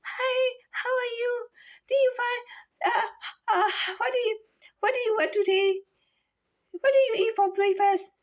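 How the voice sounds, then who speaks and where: A woman voicing an overly sweet, gushing female store clerk in a high, soft, breathy voice with a tearful wobble. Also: steady tone. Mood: mocking sweetness. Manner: drawn-out, syrupy over-politeness.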